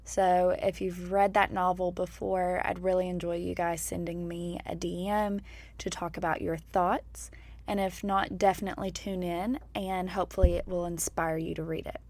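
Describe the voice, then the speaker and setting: A woman in her twenties hosting her own podcast, speaking hoarsely after straining her voice, and talking in a candid, reflective way about her own experience. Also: fairly low pitch, flat delivery, moderate pace, darkish tone. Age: 20s. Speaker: podcast host. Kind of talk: personal podcast monologue.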